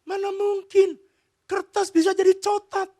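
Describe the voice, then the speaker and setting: A man's voice: extremely high pitch, flat delivery, a little slow, warm tone, pitched above the performer's own voice. A man voicing a small girl who lisps and begs for chocolate. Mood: incredulous. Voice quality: childish lisp.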